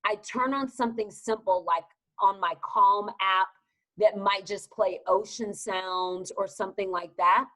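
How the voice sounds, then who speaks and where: A woman from Texas with a Southern accent speaks as a podcast guest. Her voice sits at a middling pitch, and she talks in an energetic, emphatic, motivational way. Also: unhurried, rough recording. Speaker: guest business advisor. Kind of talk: podcast interview.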